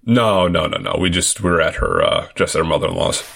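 Male sports podcast co-host, Boston accent, low-pitched voice, casual and joking. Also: wildly swooping pitch, brisk, gravelly, a bit bright, slightly rough.

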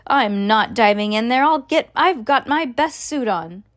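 Indignant storybook dad, read by a woman, reluctant and protesting, in a fairly high voice. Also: expressive, a little slow. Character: reluctant, exasperated father in a storybook.

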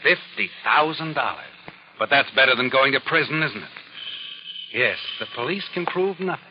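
A man's voice: mid-range voice, lively intonation, normal speed, background noise, close to an everyday voice. An actor playing a sinister, all-knowing narrator who taunts a guilty man in the style of 1940s radio drama. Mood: urgent, taunting. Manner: knowing, taunting, addresses the character as you. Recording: dull old radio recording, music behind.

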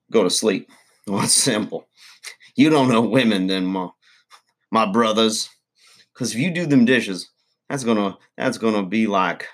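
A man playing a crude, boastful middle-aged redneck uncle, rambling folksy advice in a comedy monologue. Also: lowish voice.

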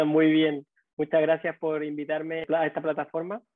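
A man's voice: fairly high pitch, completely flat delivery, measured pace, dry recording. A dentist from Chile with a Chilean accent, a man telling his story in a laid-back, chuckling way over a video call. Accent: Chilean Spanish. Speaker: dentist guest. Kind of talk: casual interview storytelling. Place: home or office in a high-rise, indoors. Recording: dry, tinny phone-like call audio.

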